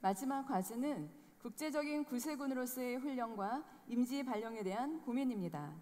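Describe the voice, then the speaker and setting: A woman presenting a formal scripted report in a clear, formal tone. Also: a little high, animated, normal speed, mellow. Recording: long hall reverb.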